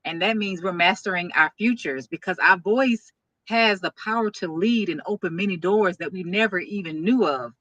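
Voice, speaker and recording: A woman's voice: on the low side, moderate pace, fairly bright tone, no room sound, dull audio. A woman hosting a business interview show, talking in an upbeat, enthusiastic, promotional way. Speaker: podcast host and speaking coach.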